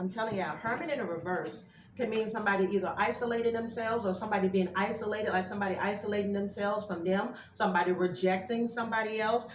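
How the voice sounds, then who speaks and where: A woman at medium pitch talks at a very fast pace with hardly any pauses. Room echo is audible, and background noise is noticeable. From US South. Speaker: YouTube livestreamer and tarot reader. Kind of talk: live tarot reading stream. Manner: animated.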